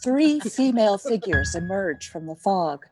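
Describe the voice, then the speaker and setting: A woman reading scripted narration for a radio play in a measured, dramatic way. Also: mid-range voice, big pitch swings. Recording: close, dry, faint music behind.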